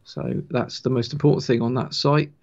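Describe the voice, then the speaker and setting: Male, Wiltshire twang, gravelly creak, informal explainer, slightly muffled lo-fi call sound. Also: medium pitch, steady tone, normal speed, darkish tone. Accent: Wiltshire, English West Country. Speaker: guest author of a railway engineering book. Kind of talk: casual technical explanation on a livestream.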